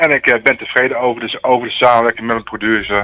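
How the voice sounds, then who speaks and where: A man talks at a very fast pace. His medium-pitched voice has a bright, sharp tone. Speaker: singer. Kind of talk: casual interview.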